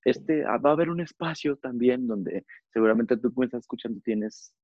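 With a medium-pitched voice and a slightly fast pace, a young Mexican-accented podcast host from Zacatecas rambles chattily, leaning heavily on fillers. The recording is dry, dull, and lo-fi.

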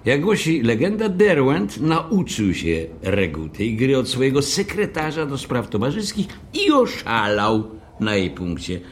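An actor playing a pedantic, haughty hotel manager who speaks in a formal, fussy, long-winded way in an audio drama. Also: male voice, medium pitch, wildly swooping pitch, a little slow, few pauses. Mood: proud, formal.

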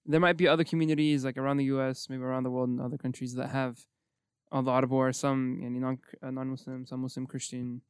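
A young man from Morocco hosting a casual podcast chat. He rambles quickly, full of "like" and "you know what I mean". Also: medium pitch, little pitch movement, clean tone, no echo, clean studio sound. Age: young adult. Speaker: podcast host.

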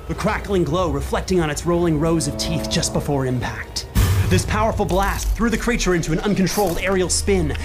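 A man tells a fantasy tale in ornate, measured prose. His voice sits a little high for a man, and music plays clearly underneath his game-master narration. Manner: grandiose, measured storytelling. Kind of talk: scripted-sounding literary fantasy horror narration.

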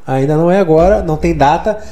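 Brazilian male co-host, high lively voice, playful; echoey room, faint hiss. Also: fast talker. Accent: Brazilian Portuguese. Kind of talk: casual chat about streaming releases.

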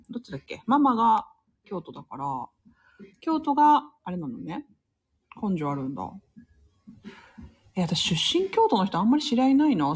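Woman host, casual live-stream chat, husky and lively, laughs between comments. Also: mid-range voice. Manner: chatty, laughs often, reads comments aloud. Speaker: livestream host reading listener comments.

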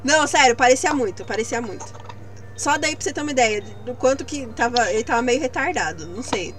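A woman co-hosting a casual livestream in Brazilian Portuguese, talkative and quick to giggle. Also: high-pitched, expressive. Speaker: co-host. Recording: stream audio with clear music behind.

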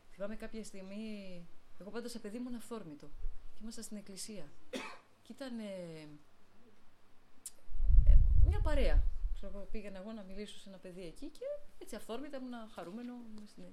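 A woman's voice: mid-range voice, background noise. A middle-aged woman, an abbess, giving a spoken talk on faith through spontaneous personal anecdotes, voicing the people in her stories. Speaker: abbess of a convent, guest speaker.

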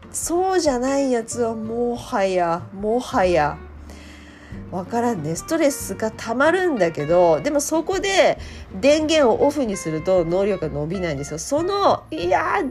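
Faint, soft guitar music underscores a woman's casual, chatty talk. She scatters fillers and brief laughs throughout, and her pitch rises and falls widely.

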